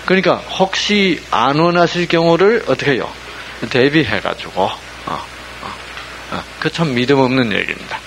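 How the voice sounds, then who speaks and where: A man's voice: medium pitch, normal speed, gravelly, noisy background. A man preaching a sermon, constantly asking the congregation questions and answering them himself. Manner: animated, asks listeners rhetorical questions constantly. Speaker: pastor. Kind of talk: sermon with call-and-response questions.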